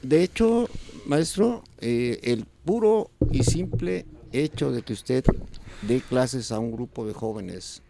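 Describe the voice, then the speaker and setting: A man's voice: medium pitch, lively intonation, slow, creaky, very noisy. A Mexican man hosting a casual talk show, rambling with many fillers and restarts. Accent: Mexican Spanish. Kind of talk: casual radio chat.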